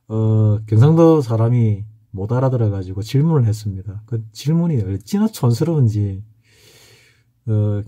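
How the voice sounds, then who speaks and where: A man's voice: mid-range voice, mellow. A middle-aged man with a Gyeongsang Korean accent, giving a rambling, anecdotal lecture as a fortune-telling instructor. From Gyeongsang region, South Korea. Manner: rambling, anecdotal, frequent hesitations. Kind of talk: casual lecture.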